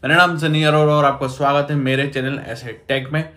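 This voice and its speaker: A man's voice: on the high side, little pitch movement, brisk, pushed and bright. A man, presenting a casual phone tutorial in a repetitive, instructional way, addressing viewers as friends. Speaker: tech YouTuber.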